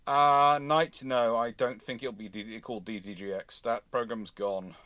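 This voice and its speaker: A man's voice: medium pitch, steady tone, measured pace, fairly bright tone, dry recording. A man hosting an informal live question-and-answer session, conversational and opinionated, repeating phrases for emphasis. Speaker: host of naval history live stream.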